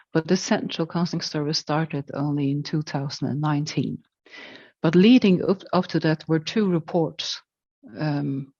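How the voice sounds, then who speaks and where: A woman, a career counselor presenting in a webinar, speaking hesitantly with many pauses and restarts. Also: low-pitched, a little mellow, no room sound, lo-fi sound. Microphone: video call.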